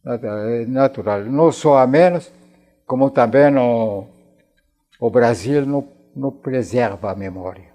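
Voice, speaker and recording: A very old man with a French accent and a dark, soft-edged voice recalls things in an interview. He speaks haltingly, circling back to repeat words as a non-native speaker does. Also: medium pitch, soft background music. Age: 90s. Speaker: interview guest, war veteran. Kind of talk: conversational recollection in a television interview.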